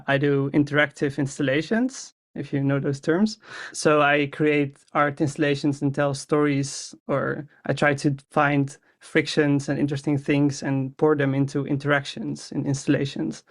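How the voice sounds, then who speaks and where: A man's voice: fairly high pitch, level tone, moderate pace, gravelly. A young man with a Dutch accent, a podcast guest who talks modestly and hesitantly with many fillers. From Netherlands. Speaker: guest, artist. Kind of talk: casual podcast interview.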